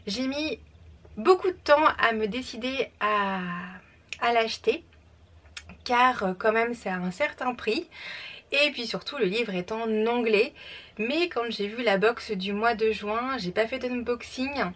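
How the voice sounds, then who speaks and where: Young woman vlogger, bright higher voice, chatty and enthusiastic, a little off-mic with faint room noise. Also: measured pace, far from the mic. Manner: chatty, enthusiastic, frequent "euh" fillers. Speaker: book unboxing vlogger. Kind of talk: casual unboxing chat.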